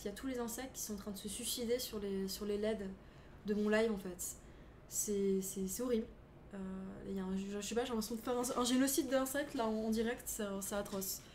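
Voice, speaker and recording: A woman's voice: a little high, darkish tone, slight background noise. Chatty, laughing young woman streaming live. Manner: rambling, laughing, loose and chatty. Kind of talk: casual live-stream chat, answering viewers.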